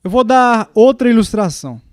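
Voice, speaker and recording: High-voiced man dubbing a sermon. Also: expressive, dry recording, studio quality. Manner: emphatic, with deliberate pauses and repetition. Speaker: preacher's voice in a dub. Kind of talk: dubbed sermon.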